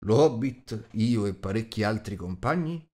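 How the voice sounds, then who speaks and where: A man voicing an old, patient wizard telling a tale in a measured, hesitant, diplomatic way. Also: on the low side, animated, a little mellow. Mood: wry. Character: old wise male wizard, patient storyteller.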